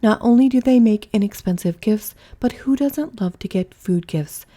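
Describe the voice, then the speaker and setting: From her kitchen, a woman runs a home cooking vlog, talking through every step casually as if thinking aloud. Her voice is fairly high and mellow, at a normal speed.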